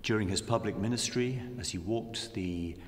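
A middle-aged Catholic priest, a man giving a solemn, measured sermon with long pauses between phrases. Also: fairly low pitch, slight background noise. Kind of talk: reflective sermon and prayer. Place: large dim indoor room. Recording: long echoing reverb of a hall.

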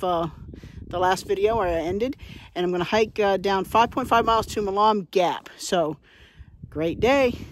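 A woman's voice: medium pitch, a little hiss or hum, poor audio. A woman, chatting to a phone at arm's length while hiking a wooded mountain trail, upbeat and encouraging. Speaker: hiking vlogger. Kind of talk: casual vlog to camera. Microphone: phone held at arm's length.

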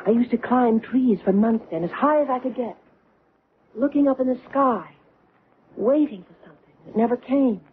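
An actress playing an earnest, haunted middle-aged woman in a vintage radio drama, recalling strange things in hesitant, deliberate, broken phrases. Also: on the high side, lightly acted. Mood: haunted, uneasy. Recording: noisy, tinny old radio recording.

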